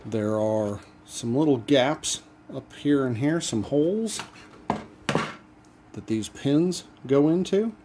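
A man hosting a do-it-yourself channel, explaining a repair step by step in a relaxed, casual way as he works at a bench. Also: medium pitch, slow pace, slight background noise. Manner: relaxed step-by-step explaining while working hands-on. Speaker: DIY channel host. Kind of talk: casual how-to demonstration.

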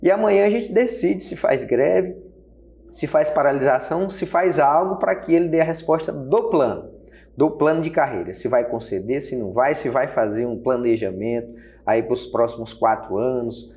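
A man's voice: medium pitch, lively intonation, normal speed, darkish tone. A man in his forties, a health workers' union leader, giving emphatic interview answers in a small studio. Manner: emphatic, gestures broadly while speaking. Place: small studio set with table. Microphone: lapel mic.

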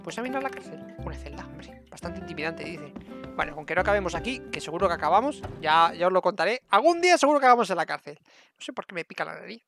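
A young man with a Castilian Spanish accent talks through a game in a chatty, playful way. His voice has plenty of fry and gravel in it. He speaks into a headset, with game music clearly behind him. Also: high-pitched, big pitch swings, quick pace. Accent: Spanish from Spain. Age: young adult. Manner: chatty, playful self-talk with diminutives. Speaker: video game streamer. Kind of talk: casual gameplay commentary. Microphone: headset microphone.

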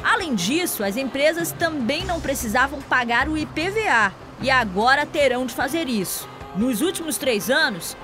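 High-pitched woman reporter reading voice-over. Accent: Brazilian Portuguese, Amazonas. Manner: measured, informative delivery. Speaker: news reporter. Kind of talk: scripted news voice-over. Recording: voice-over with background music.

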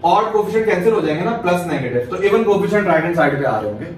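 A man's voice: high-pitched, expressive, rapid-fire, slight background noise. A male math teacher with a Pakistani Urdu accent giving a classroom lecture, explaining step by step and answering his own questions. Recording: very echoey room, voice from far off.

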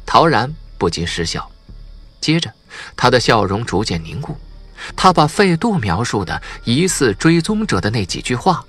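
A man's voice: medium pitch, big pitch swings, normal speed, fairly bright tone, husky, soft background music. A man reading a novel aloud as an audiobook narrator, in a scripted, dramatic storytelling style.

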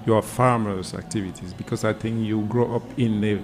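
Measured, halting man from Cameroon. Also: fairly low pitch, steady tone. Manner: measured, halting, many "uh" fillers. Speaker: guest, environmental sociologist. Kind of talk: casual interview conversation.

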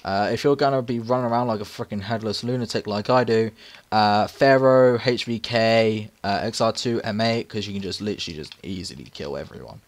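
A hoarse, raspy man narrating casual gameplay tips over footage, rambling with many fillers. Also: lowish voice, a little fast. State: hoarse from repeated takes. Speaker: gaming channel host.

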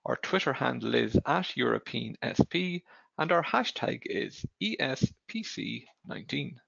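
A man hosting a webinar, reading out housekeeping announcements in a gravelly voice. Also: mid-range voice, very animated, a little slow, fairly bright tone, no echo, muffled recording. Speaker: webinar host. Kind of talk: read-out announcements.

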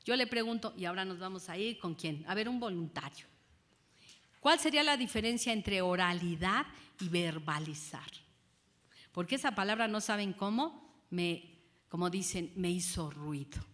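A woman, a judge giving a lecture to an audience, lively and often asking them rhetorical questions. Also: on the low side, moderate pace. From Mexico.

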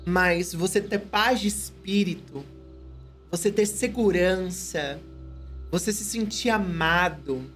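A woman's voice: on the low side, slow. A thirty-year-old woman with a Brazilian accent, commenting on a game to her live chat in a reflective, emphatic way. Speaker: game streamer. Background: game music.

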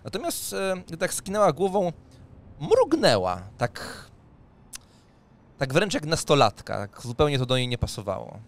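A man's voice: fairly high pitch, huge pitch swings, measured pace. A man, narrating a tabletop fantasy game as game master on a close microphone. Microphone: close microphone on an arm, headset.

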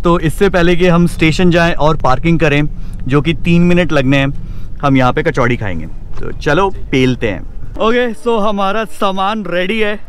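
A man's voice: on the high side, lively intonation, moderate pace. A man in his thirties vlogging casually while driving on a road trip, chatting and joking and mixing English into his Hindi. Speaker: travel vlogger. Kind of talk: casual vlog narration. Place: inside a car on a road trip, then city streets. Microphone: camera mic. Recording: car and street noise behind.

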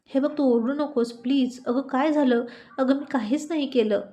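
A woman's voice: high-pitched, normal speed, dark tone, close to an everyday voice. A woman voicing a flustered, indignant young male college student in a spoken story. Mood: pleading. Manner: protesting, pleading.

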